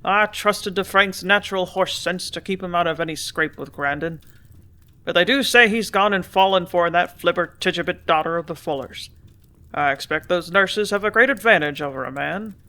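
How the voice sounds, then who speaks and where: A woman voicing a gruff older male grain dealer with folksy, blunt country speech. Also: fairly low pitch, moderate pace, bright, forceful tone. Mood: confiding.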